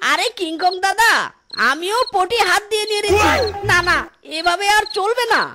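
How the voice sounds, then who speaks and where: A woman voicing an excitable male fox, squealing and exclaiming. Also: very high voice, normal speed, music in the background.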